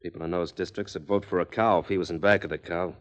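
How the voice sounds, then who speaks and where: Actor voicing a shrewd, blunt campaign manager; old radio drama. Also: male voice, low-pitched, steady tone, fast, natural voice. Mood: scheming. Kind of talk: 1940s radio drama acting.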